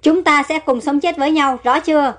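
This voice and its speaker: A woman's voice: high-pitched, moderate pace, soft background music, natural voice. A woman voicing a young, compassionate queen who is on the run and pleads for her loyal soldiers. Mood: distressed. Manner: pleading and distressed.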